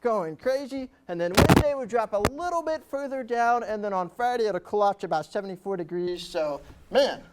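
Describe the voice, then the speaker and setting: A young man giving a weather forecast in an excitable, exclaiming manner. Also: sits high, a little fast, few pauses, noisy background. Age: young adult.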